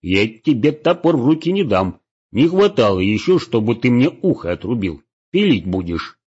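A blunt, teasing adventurer talks in a husky, lively voice, voiced by a male narrator. He stays dry and matter-of-fact. The recording sounds dull and lo-fi. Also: medium pitch, moderate pace. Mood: wry.

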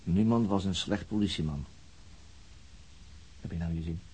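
Weary police investigator, low-pitched. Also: male voice, normal speed, dark tone, breathy edge, low-quality recording. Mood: reluctant. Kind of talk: Dutch radio drama acting.

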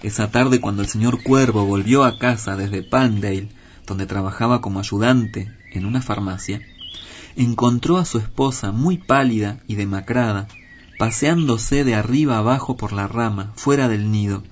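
A man reading a children's story aloud in a measured, expressive way. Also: fairly low pitch. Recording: dull lo-fi with faint hiss.

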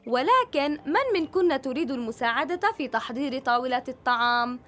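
A woman's voice: high voice, lively intonation, a little fast, fairly bright tone. A woman voicing a thoughtful young girl who organizes her friends, speaking in a considerate storybook voice full of suggestions.

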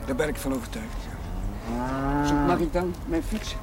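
A man playing a young Catholic chaplain with a warm, wry temper in a naturalistic television drama. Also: mid-range voice, very animated, measured pace. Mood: wistful farewell. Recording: distant mic, noisy outdoor sound.

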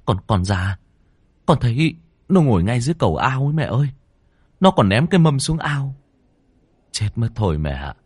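A man's voice: on the low side, very animated, moderate pace, long pauses, mellow, husky, no echo, clean studio sound, full character voice. A man voicing a terrified young village husband who stammers in panicked whispers.

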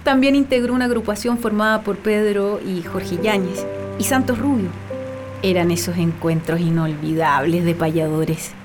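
An actress voicing a young daughter who remembers her late folk-singer father in a gentle, reflective radio play voice. Her pitch sits in a middle range. Music plays steadily beneath her lines. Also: fairly even intonation, moderate pace, close to an everyday voice. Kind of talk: radio drama acting. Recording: music playing under the voice.

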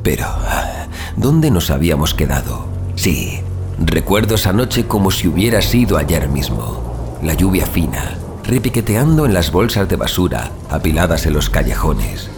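A man's voice: low-pitched, sing-song, moderate pace, vocal fry, music in the background, heavily acted. A man playing a gleefully sadistic undead killer who narrates his murders with theatrical, sardonic menace in a horror audio drama. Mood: gloating, nostalgic.

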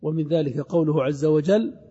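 A man lectures on grammar to a class in a large hall, and his words ring out with a long reverb. His voice sits fairly high for a man but sounds very dark and mellow, with a slightly husky edge. He asks questions and answers them himself, then repeats each example slowly, all on a dull, lo-fi recording. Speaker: grammar teacher.

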